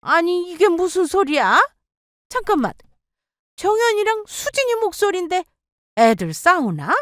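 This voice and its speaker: A woman voicing a frantic older mother-in-law who scolds in a shrill voice. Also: big pitch swings, measured pace, no room sound, studio quality, exaggerated voice. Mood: alarmed.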